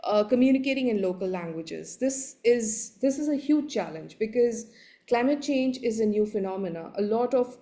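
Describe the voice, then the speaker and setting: A woman with an Indian accent, a native Hindi speaker, giving an explanatory conference presentation in a halting way, often repeating words. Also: a little high, expressive, dark tone. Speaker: panelist giving a slide presentation.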